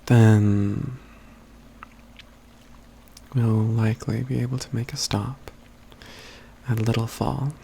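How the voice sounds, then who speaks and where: Slow, soft, creaky man playing a courtly mage. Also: mid-range voice, fairly even intonation, a little hiss or hum. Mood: calm, deliberate. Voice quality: soft, breathy, often dropping to a whisper. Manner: measured, deliberate, halting phrases with pauses. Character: calm, courtly mage companion, gently teasing and resolute. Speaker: ASMR roleplay performer. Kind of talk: soft-spoken ASMR roleplay.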